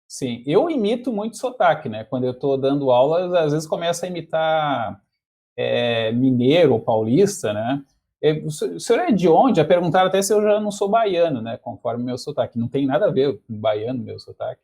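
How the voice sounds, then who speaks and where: A man with a Porto Alegre accent and a fairly high voice. He hosts a casual conversation and makes dry, wry remarks. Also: lively intonation, moderate pace, creaky, mellow. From Porto Alegre, Brazil. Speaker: host and teacher.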